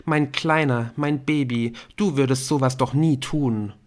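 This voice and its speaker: A man's voice: medium pitch, steady tone, unhurried, voice pushed up, close to an everyday voice. A man voicing a worried, doting middle-aged mother who fusses over her son in an audiobook reading. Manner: cooing, fussing.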